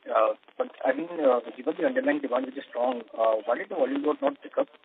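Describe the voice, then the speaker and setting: Brief: male analyst on a call, fast and gravelly, hesitant, audio glitchy and garbled through a tinny line. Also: mid-range voice, huge pitch swings, slight background noise. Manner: hesitant, many fillers. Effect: garbled, glitchy phone audio. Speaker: investment analyst calling in. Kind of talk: earnings conference call question. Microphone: phone, maybe speakerphone.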